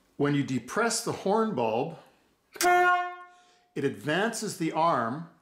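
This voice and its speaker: Music plays in the background. A man speaks with audible room echo. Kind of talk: tutorial. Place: kitchen.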